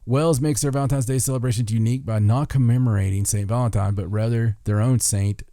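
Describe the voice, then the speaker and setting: A man's voice: medium pitch, steady tone, fast talker, dark tone, no room sound, clean studio sound. A man hosting a podcast, reading from a list in a folksy way with joking asides and stumbles over foreign words. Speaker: podcast host. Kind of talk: reading listicle aloud with casual joking asides.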